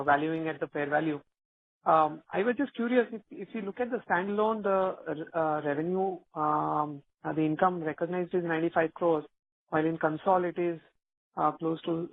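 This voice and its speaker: A man, an analyst, asking polite, hesitant questions on an earnings call. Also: on the high side. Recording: tinny conference phone line.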